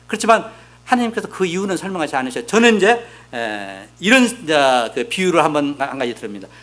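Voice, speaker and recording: A man's voice: fairly high pitch, sing-song, brisk, fairly bright tone. A middle-aged male pastor preaching a sermon, explaining with rhetorical questions and reading scripture aloud. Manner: reads scripture aloud, voicing the prophets' complaints. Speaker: senior pastor.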